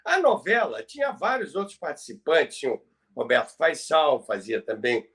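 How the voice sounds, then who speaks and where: A man's voice: a little high, sing-song, moderate pace, fairly bright tone. A Brazilian man presenting in an informal lecture style, explaining didactically and repeating phrases for emphasis. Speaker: presenter explaining radio history.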